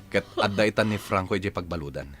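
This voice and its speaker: An actor playing a grown son who gravely reports bad news to his mother. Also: low-pitched, quick pace, over music, lightly acted.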